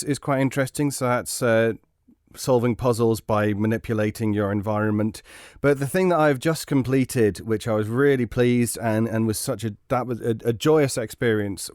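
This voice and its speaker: Clear, smooth-voiced man, mild and hesitant. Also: lowish voice, darkish tone, no room sound, studio quality. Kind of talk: casual chat.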